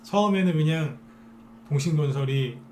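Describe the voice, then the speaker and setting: A man's voice: on the high side, moderate pace, a little mellow, slight background noise. A man giving a live stock trading lecture as a broadcaster, persuading viewers and often asking them to agree.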